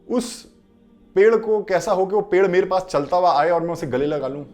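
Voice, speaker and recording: A man voicing a wry, teasing old male sage who turns loud and commanding when giving orders. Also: sits high, faint music behind, close to an everyday voice.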